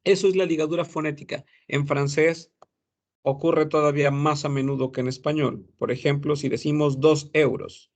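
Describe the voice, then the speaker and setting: A man lecturing a class in a gravelly voice that sits a little high for a man. He explains slowly and says his example phrases aloud more than once. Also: steady tone. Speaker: French teacher for gastronomy students.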